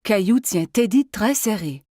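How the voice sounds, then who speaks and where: A woman's voice: mid-range voice, expressive, a little slow, crowd noise. A woman narrating a scripted story for children.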